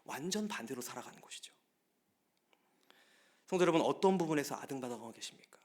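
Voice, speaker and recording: Man, pastor; lively storytelling sermon, talks straight to the pews, swinging intonation. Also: mid-range voice, fast. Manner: lively storytelling, often addresses the congregation directly. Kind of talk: Wednesday service sermon. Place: church sanctuary.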